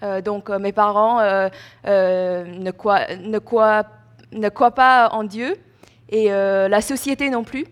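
A young woman from China with a Chinese accent, nervously giving a church testimony with many pauses and fillers. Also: mid-range voice, fairly even intonation. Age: young adult. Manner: hesitant, many fillers and restarts.

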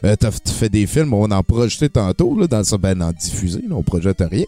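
A man's voice: lowish voice, very animated, fairly quick, mellow, no room sound. A man with a Quebec French accent hosting a casual, chatty radio interview, effusive and playful as he rambles along. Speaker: radio show host. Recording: faint music behind. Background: faint music.

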